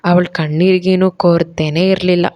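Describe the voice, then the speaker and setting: A woman storyteller narrating a serialized audio story. Her reading is dramatic and expressive. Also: fairly low pitch, moderate pace, dull audio, slight background noise.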